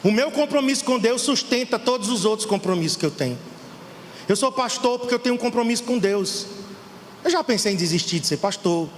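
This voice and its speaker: A man's voice: very high voice, animated, brisk, in a large hall, a little hiss or hum. A middle-aged Brazilian man preaching a fervent sermon to his congregation as pastor. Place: church hall.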